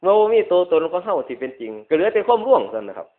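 Higher-pitched man preaching with northeastern Thai accent. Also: sing-song, racing. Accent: northeastern Thai (Isan). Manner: emphatic repetition, ending phrases with polite particles. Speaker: Buddhist monk teacher. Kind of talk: Buddhist dhamma sermon. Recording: dull lo-fi radio-like recording.

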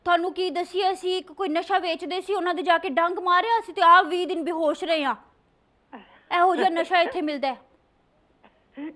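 A woman's voice: extremely high pitch, fairly even intonation, normal speed, pushed and bright. A young woman with a Punjabi accent playing a melodramatic, cheeky female cobra on a comedy show, talking like a dramatic, emphatic aunty. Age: young adult. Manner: dramatic, emphatic aunty-like complaining with repeated words. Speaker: TV show host. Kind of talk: comic in-character call-in show. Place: TV studio, indoors.

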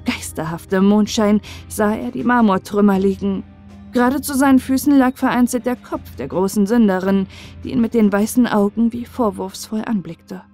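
A woman narrating a sad fairy tale as an audiobook, calm and steady for bedtime listening. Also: medium pitch, normal speed, soft background music.

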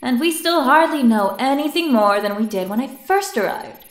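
A woman's voice: high voice, lively intonation, moderate pace. Woman playing a haughty, echoing lady scientist. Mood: brisk, impatient. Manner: theatrical, wordy, condescending. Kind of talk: audio drama acting. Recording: roomy, echoing sound.

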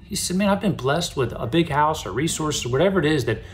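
A man's voice: on the high side, expressive, brisk, faint music behind. A man in his thirties, a pastor, speaking a devotional to camera from a small home office, earnest and conversational with frequent restarts.

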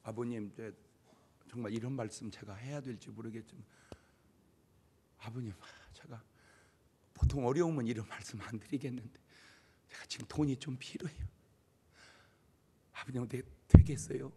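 A man playing a hushed, hesitant son begging. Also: mid-range voice, steady tone, moderate pace, pauses often, a little hiss or hum, voice pushed down, natural voice. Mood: timid. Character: grown son meekly begging father for money. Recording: long church hall reverb.

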